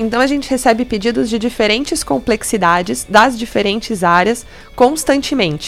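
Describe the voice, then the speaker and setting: Music plays in the background as a woman with a fairly high voice speaks at a moderate pace with lively intonation. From Rio Grande do Sul, Brazil (Porto Alegre). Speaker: HR professional, former engineer. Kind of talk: podcast interview.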